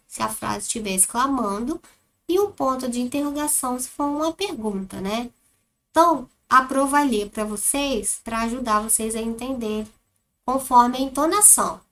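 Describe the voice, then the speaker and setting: Brazilian lady teacher reading to little kids, kinda high voice, big expressive tone, faint hiss behind. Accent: Brazilian Portuguese. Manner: animated, exaggerates exclamations and questions for children. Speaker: primary school teacher. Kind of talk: children's lesson, reading aloud with expressive intonation.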